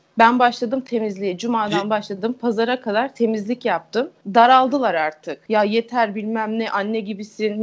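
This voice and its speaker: A woman with a normal speaking voice, at a fairly high pitch and a moderate pace. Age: 20s. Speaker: student, listener guest. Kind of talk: casual chat.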